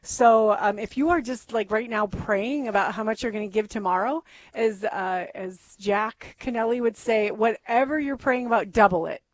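A woman's voice: a little high, moderate pace, hardly any pauses, no echo. A woman co-hosting a live radio fundraiser from a church, chatty and affirming as she reads out donors and thanks them. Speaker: radio co-host.

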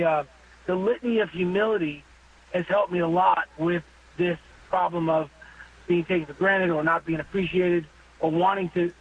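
A man in his fifties calling in to a radio show, talking earnestly and haltingly, with many pauses and fillers. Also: sits high, a little hiss or hum. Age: 50s. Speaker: caller. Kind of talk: phone-in call to a radio show. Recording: dull phone line.

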